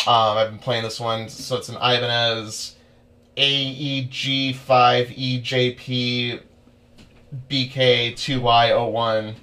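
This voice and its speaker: A young man, a guitarist guest, telling stories in a rambling, animated way during a casual interview. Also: medium pitch, slow pace. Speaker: musician guest.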